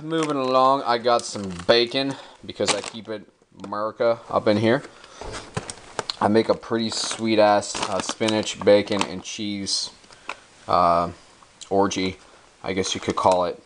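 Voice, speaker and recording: Slangy young man with a very low voice. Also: steady tone, unhurried, background noise. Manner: laid-back, slangy and profane, many ums and uhs. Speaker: bodybuilder vlogger. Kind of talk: casual grocery haul show-and-tell. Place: home kitchen, indoors. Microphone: handheld camera held close. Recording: crinkling bags and clicks close by.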